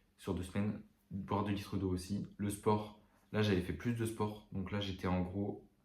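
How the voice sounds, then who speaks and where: In a room with audible echo, a man speaks at a fairly slow pace with a fairly low pitch. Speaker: vlogger. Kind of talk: casual monologue vlog.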